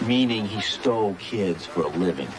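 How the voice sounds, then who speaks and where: A man's voice: fairly low pitch, expressive, moderate pace, close to an everyday voice. An American man playing a wry, impatient police detective in a TV crime drama, with dry sarcasm.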